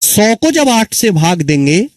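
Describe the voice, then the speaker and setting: A man's voice: sits high, very animated, slow pace, dry recording. A man teaching an exam-prep maths lesson, who keeps repeating answers and asking his students questions. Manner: calls students children and friends.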